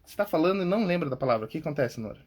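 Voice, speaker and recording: A Brazilian public speaking coach and podcast host gives tips casually and informally, often checking in with "tá?" and "cara." His Brazilian Portuguese-accented voice is on the high side and darkish, with a breathy edge, and he talks very fast and expressively.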